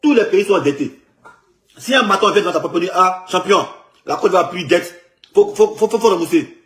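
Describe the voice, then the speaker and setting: A man with an Ivorian accent delivering an animated, casual political rant, emphatic, mocking and repetitive. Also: sits high, a little fast, roomy sound.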